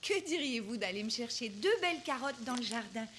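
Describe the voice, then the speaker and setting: A woman playing a gentle, patient young mother in a children's cartoon, speaking simply and expressively to small children. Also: a little high, expressive, fairly quick, background noise, lightly acted.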